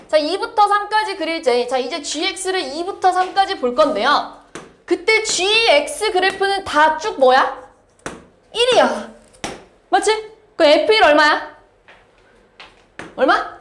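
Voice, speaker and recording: A woman teaching a math class, lively and quick to check whether students follow. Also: high voice, slight background noise. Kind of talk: classroom lecture. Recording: echoey classroom.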